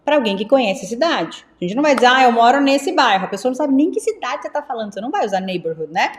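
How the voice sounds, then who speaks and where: A young woman from teaching English live, lively and repeating words slowly for her students. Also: on the high side, echoey room. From Brazil. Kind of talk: live online English lesson.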